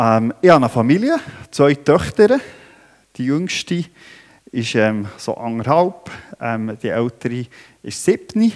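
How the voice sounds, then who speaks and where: A medium-pitched male voice with lively intonation, big swings in loudness, a fairly slow pace and long, frequent pauses. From Switzerland, Emmental region (Burgdorf). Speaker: guest preacher, former farmer. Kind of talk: sermon. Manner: hesitant, many fillers.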